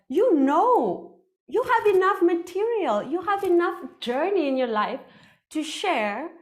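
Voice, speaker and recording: A woman in her thirties whose first language is Afrikaans, giving an animated, playful workshop talk on public speaking into a headset mic. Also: a little high. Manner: animated, gestures a lot, playful.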